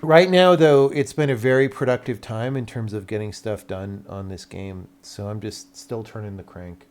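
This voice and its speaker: A man's voice: fairly low pitch, moderate pace, a little mellow. A man who hosts a game development livestream, chatting casually in a dry, grumbling, offhand way.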